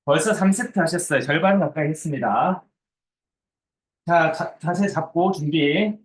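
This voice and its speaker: A man's voice: fairly high pitch, a little slow. A man leading a group workout as a fitness coach, counting reps and giving short, commanding cues with encouragement. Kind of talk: live exercise class instruction with counted reps.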